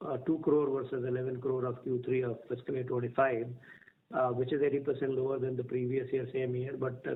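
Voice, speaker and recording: A man with an Indian accent reads prepared management commentary on an earnings call as a company executive, halting and sometimes stumbling over or repeating his words. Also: mid-range voice, gravelly. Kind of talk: earnings call presentation, read from prepared notes. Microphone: conference call line. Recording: narrow-band conference phone line.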